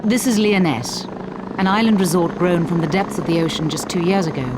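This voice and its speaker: A woman playing a sombre, controlled military field reporter, speaking with grim, deliberate restraint in a game cutscene. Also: fairly low pitch, very noisy, close to an everyday voice. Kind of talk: scripted game cutscene dialogue.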